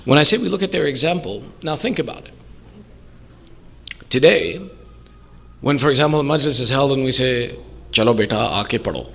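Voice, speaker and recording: A man's voice: fairly high pitch, normal speed, gravelly, long pauses, bright, forceful tone. A man preaching a religious sermon in English, earnest and emphatic, posing rhetorical questions and repeating key phrases. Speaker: preacher, sheikh.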